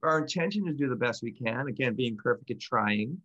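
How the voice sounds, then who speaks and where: Podcast co-host, male, mid-pitched voice, loose rambling delivery with lots of restarts and laughs. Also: a little fast, lo-fi sound. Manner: rambling, animated, laughs often, many restarts. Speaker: podcast co-host and meditation teacher. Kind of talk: casual conversational podcast chat.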